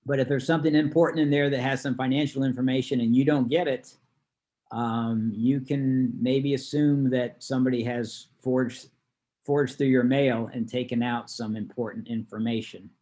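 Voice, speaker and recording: A man's voice: medium pitch, fairly even intonation, moderate pace, mellow. Man teaching an informal online class. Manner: conversational, explanatory. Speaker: class instructor. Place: online video call.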